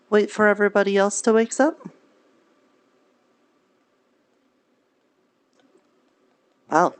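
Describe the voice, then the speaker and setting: A woman roleplaying an earnest, naive, cheerful young preacher, talking in a halting, childlike way with folksy grammar. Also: medium pitch, lightly acted. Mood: musing. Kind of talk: improvised virtual reality roleplay.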